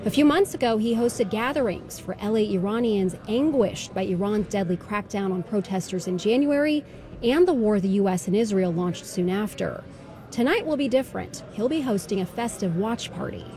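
A woman radio reporter narrating a news feature in a measured way. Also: medium pitch, expressive, warm tone, faint music behind.

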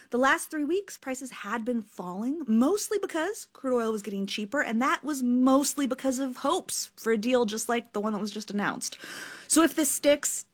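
A woman's voice: mid-range voice, a bit bright. A woman news correspondent explaining energy markets in a conversational broadcast, fluent with small restarts.

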